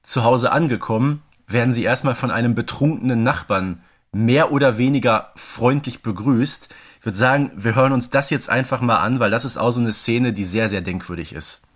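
A man's voice: medium pitch, moderate pace. A man co-hosting a podcast, chatting casually and giving his opinions on an audio drama series. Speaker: podcast co-host.

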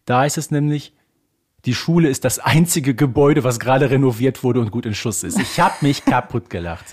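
A man's voice: medium pitch, normal speed, slightly rough. Man co-hosting a casual podcast. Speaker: podcast co-host.

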